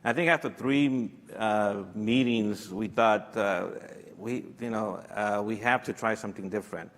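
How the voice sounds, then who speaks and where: A man telling stories on a panel in a lively way, laughing readily. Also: fairly low pitch, measured pace. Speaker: panel speaker. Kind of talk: storytelling on a panel. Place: lecture hall. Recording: reverberant lecture hall.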